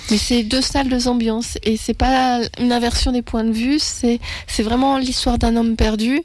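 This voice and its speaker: A woman's voice: a little high, flat delivery, moderate pace, a little mellow, no room sound. A woman reviewing comics in casual radio chat, hesitant, with many restarts and fillers.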